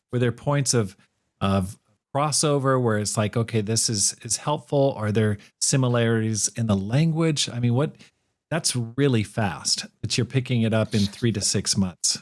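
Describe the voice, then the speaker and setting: A man's voice: mid-range voice, moderate pace, darkish tone. A man hosting a podcast interview, asking questions conversationally with some stammering restarts. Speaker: podcast host. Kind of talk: casual interview.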